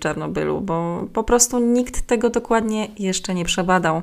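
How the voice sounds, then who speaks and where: A woman's normal speaking voice at medium pitch, fairly slow pace, lively intonation, on a very clean recording with a silent background. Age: 30s. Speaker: film and TV journalist, podcast host. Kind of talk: solo podcast monologue, reviews. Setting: at home, dog nearby.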